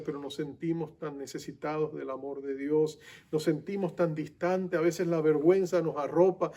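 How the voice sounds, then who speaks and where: A male pastor preaching a sermon, talking straight to the listener and swinging from loud urgency to soft, intimate tones. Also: a little high. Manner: speaks directly to listener as "tú".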